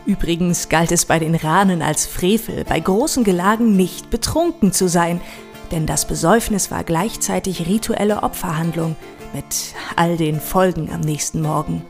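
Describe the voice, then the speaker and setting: A woman's voice: lowish voice, moderate pace, soft background music. A woman narrating a scripted history documentary in a composed, informative way.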